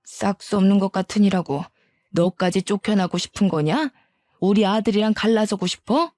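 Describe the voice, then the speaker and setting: Woman narrator as bossy older mother-in-law, low mellow voice, scolding harshly. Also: moderate pace, close to an everyday voice. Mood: furious scolding. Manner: shrill scolding, harsh insults.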